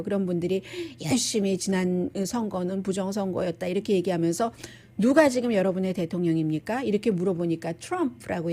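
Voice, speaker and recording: A woman's voice: mid-range voice, mellow. A woman hosting live news commentary, explaining things in a conversational way with restatements and quoted asides.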